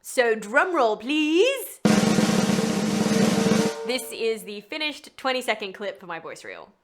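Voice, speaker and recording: A woman hosting a voice-over tutorial, explaining things to viewers in a chatty, expressive, emphatic way. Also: fairly high pitch, slow, music in the background.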